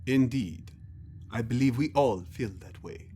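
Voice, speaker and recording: A man playing a commanding alien elder and father in a scripted audio drama, speaking formally and deliberately. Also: mid-range voice, animated, warm tone, close to an everyday voice. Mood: stern.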